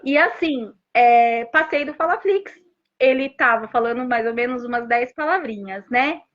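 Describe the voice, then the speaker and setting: A mother in her thirties giving an emotional testimony about her son, talking in animated bursts with restarts. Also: on the high side. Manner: animated storytelling with frequent restarts and rapid asides. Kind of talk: emotional personal testimony on a live stream. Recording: dull lo-fi stream audio.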